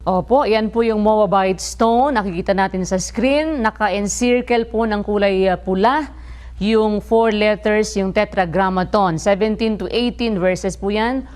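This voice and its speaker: A woman, an assistant reading a text aloud in a polite, measured way. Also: medium pitch, a little mellow.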